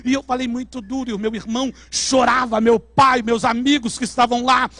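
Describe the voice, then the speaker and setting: Brazilian male preacher, very high voice, dramatic testimony with shouted peaks, dry sound. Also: steady tone, brisk, dry recording. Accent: Brazilian Portuguese. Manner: dramatic storytelling, shouting at climaxes. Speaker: pastor. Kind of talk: sermon testimony. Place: church service.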